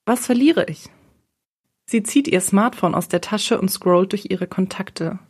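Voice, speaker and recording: A woman narrating a story for an audiobook. Her delivery is calm and even. The voice sits mid-range. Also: mid-range voice, unhurried, breathy edge.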